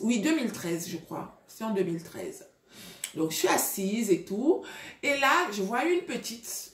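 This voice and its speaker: A woman in her thirties from Gabon, casually telling a story to her viewers with lots of fillers. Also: mid-range voice. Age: 30s. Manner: chatty, many fillers, addresses viewers directly. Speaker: vlogger giving relationship advice. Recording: echoey room.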